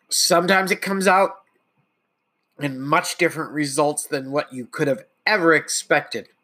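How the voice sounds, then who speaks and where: With a bright, sharp tone and a fairly high pitch, a man speaks at a moderate pace, his pitch varying in an ordinary way and broken by long, frequent pauses. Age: 50s. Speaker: podcast host. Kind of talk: personal monologue.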